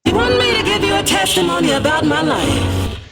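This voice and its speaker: Squeaky chipmunk-pitched helium voice, stacked in layers. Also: male voice, animated, fairly quick, vocal fry, a bit bright, dry recording, clean studio sound, soft background music, heavily acted. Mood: earnest. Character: squeaky chipmunk-like male voice, earnest. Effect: pitch-shifted helium voice layered over duplicated tracks.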